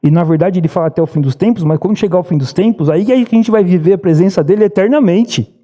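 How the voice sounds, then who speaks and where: A man's voice: fast, mellow. A man in his thirties with a Brazilian accent, preaching a sermon in church and telling stories earnestly. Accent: Brazilian Portuguese. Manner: earnest storytelling preacher, rises in pitch when urging. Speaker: pastor. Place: church sanctuary.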